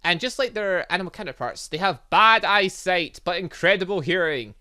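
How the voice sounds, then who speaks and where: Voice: medium pitch, lively intonation, normal speed, sharp tone. A game streamer voicing a pompous older male professor who lectures students in a formal, grandiose way. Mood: pompous lecturing. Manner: formal, grandiose teacherly delivery.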